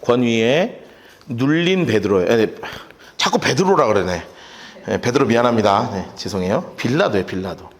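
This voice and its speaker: A male pastor teaching a Bible-study sermon in a church, lively, asking his listeners questions and acting out scenes. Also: medium pitch, moderate pace, reverberant. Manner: animated, asks the audience questions and acts out scenes.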